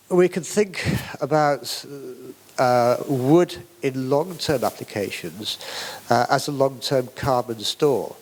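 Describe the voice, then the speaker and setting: A middle-aged man with a British accent speaks at a public talk. He hesitates often, with many "uh"s and repeated words as he finds his way. His voice sits at an ordinary middle pitch. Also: poor audio. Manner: hesitant, many fillers and restarts. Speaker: academic speaker on wood construction.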